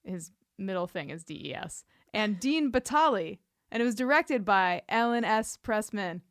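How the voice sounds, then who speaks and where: A woman co-hosting a podcast in casual banter, joking with a dry, playful deadpan. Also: medium pitch, moderate pace, dry recording. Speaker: podcast co-host. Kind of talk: casual banter about a TV show.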